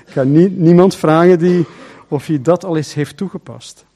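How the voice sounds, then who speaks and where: Pastor guy, high voice, preaching, pushes hard then goes quiet, lots of questions to the crowd. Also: normal speed. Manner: emphatic, rhetorical questions, swings between loud and hushed. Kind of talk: sermon.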